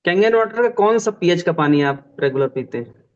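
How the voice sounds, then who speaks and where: A man interviewing guests on a video call, courteous, with quick acknowledgements and well-wishes. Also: high-pitched, expressive. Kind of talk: hosting testimonials on a video call. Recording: muffled online call audio.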